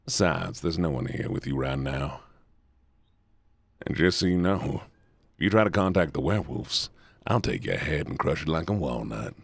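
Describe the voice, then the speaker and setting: A man voicing a calm, threatening male vampire in a visual novel, speaking low and slowly with quiet menace. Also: gravelly, breathy edge, no echo, heavily acted. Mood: menacing.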